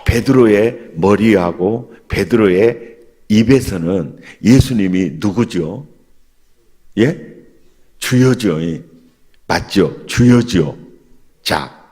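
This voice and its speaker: A man preaching a revival sermon as pastor, animated and asking the congregation questions. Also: on the low side, slightly rough. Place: church sanctuary. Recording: long hall reverb in church.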